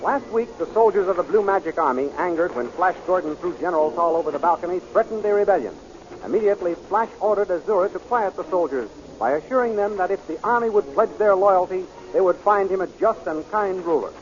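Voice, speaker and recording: Vintage serial announcer, man, high formal dramatic voice with music behind, dull old radio sound. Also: fairly quick. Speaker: announcer and narrator. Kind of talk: scripted 1930s radio serial narration. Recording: muffled 1930s radio recording.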